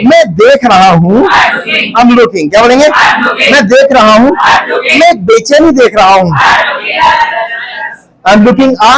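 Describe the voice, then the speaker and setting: Indian-accented male teacher, high loud commanding voice, leads a classroom drill over students chanting back. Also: lively intonation, slow, pauses often, a loud crowd, poor audio. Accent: Indian English. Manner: loud, commanding, repeats prompts. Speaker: English teacher. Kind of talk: classroom drill, call and response.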